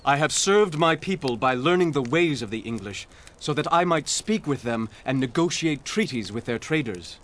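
An actor playing a courteous, self-assured Native American envoy in a radio drama, with a formal and pointed manner. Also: male voice, medium pitch, lively intonation, normal speed, a bit bright, natural voice. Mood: formal, respectful. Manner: formal, deferential yet pointed. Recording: radio play with music underneath.

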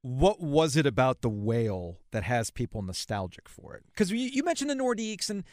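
A man's voice: medium pitch, sing-song, fairly quick, a little mellow, dry recording, clean studio sound. A man in his forties hosting a sports podcast, chatting informally in a casual interview style. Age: 40s. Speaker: podcast host.

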